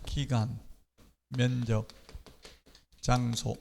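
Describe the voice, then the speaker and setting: A middle-aged man gives an exam-prep lecture on real estate law, explaining points clearly and slipping in casual personal asides. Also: mid-range voice, little pitch movement, very slow, a little mellow, a little hiss or hum. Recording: long hall reverb.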